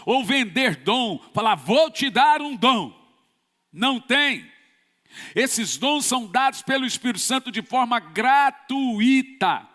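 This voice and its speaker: A man's voice: extremely high pitch, sharp tone. A man from Brazil, a pastor preaching an emphatic sermon with sudden bursts of force. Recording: long church reverb.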